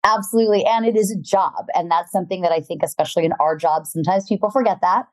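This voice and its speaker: A woman's voice: lowish voice, fast talker, no room sound, clean studio sound. A woman hosting a podcast interview, casually agreeing with her guest and asking long, rambling questions. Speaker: podcast host.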